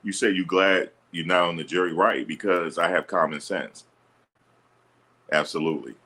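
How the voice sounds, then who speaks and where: A man with a very low, deep voice talks straight into his streaming mic. He answers his chat bluntly and sounds sure of himself, assertive and ready to push back. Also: normal speed, sharp tone. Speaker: livestream host. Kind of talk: livestream commentary answering chat. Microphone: streaming setup.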